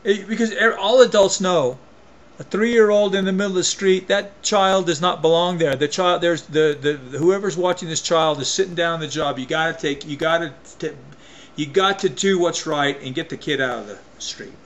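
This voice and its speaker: A man with a voice pitched a little higher than most men rants into the camera in a folksy, emphatic way. He keeps restarting and doubling back on his phrases as he talks. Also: moderate pace. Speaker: vlogger. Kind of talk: opinion rant to camera.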